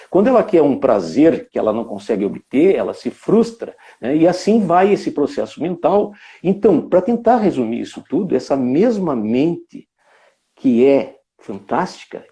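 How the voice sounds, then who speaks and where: Musing aloud in a reflective spoken lecture, this man from Brazil has a mellow, slightly high voice. He delivers the live talk with many tag questions and restarts.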